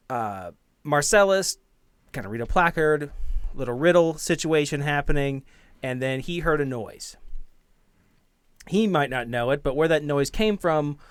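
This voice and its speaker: A man narrating a tabletop game as game master in an informal, halting, self-deprecating way, improvising as he goes. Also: medium pitch, clean tone, no room sound. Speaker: game master and podcast host. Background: background music.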